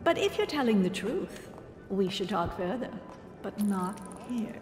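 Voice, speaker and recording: A woman's voice: medium pitch, big pitch swings, a little slow, darkish tone. Swooping, flirtatious society lady. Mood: flirtatious, playful. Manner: arch, playful, coquettish. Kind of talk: video game character dialogue. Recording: echoey hall, music behind.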